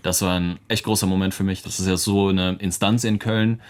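With a low voice, a steady tone and a brisk pace, this native English-speaking musician in his twenties chats casually through relaxed radio interview answers, laughing a lot along the way.

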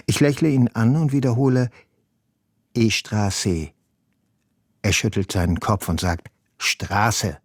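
A man with a fairly low voice reads a literary passage in the first person. His delivery is slow and measured, recorded close and dry with no room sound. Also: steady tone, no echo. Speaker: reader of a novel excerpt. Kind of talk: literary reading.

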